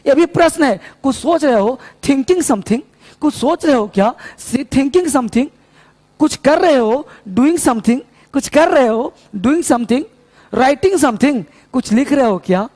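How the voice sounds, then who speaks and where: High-voiced teacher in reverb. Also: male voice, expressive, a little mellow. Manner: drills phrases in call-and-response, slow and emphatic. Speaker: spoken English teacher. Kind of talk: classroom lesson with repetition drills.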